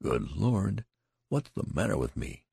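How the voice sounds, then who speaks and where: A man's voice: sits low, big pitch swings, a little slow, gravelly, a little mellow, slightly rough, no echo, studio quality, pitched above the performer's own voice, heavily acted. A man voicing a nervous young male recruit who keeps asking anxious questions.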